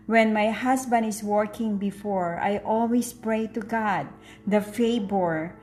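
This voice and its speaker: A woman's voice: fairly high pitch, a little mellow. A woman with a Filipino accent chatting casually to her viewers as a vlogger, often repeating words for emphasis. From Philippines.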